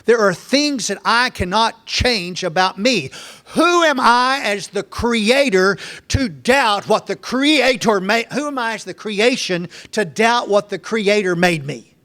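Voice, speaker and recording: Folksy bible teacher guy, slow and deliberate, repeats himself to drive it home. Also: high-pitched, expressive, bright, forceful tone. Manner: folksy, earnest, repeats key points. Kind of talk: verse-by-verse Bible lesson.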